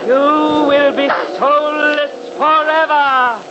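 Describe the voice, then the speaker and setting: A woman playing a vengeful female ghost in an old radio drama, speaking in slow, doom-laden pronouncements. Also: sits high, steady tone. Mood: menacing. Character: vengeful female ghost reclaiming her soul. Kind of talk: 1940s radio acting. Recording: dull old radio recording with heavy hiss.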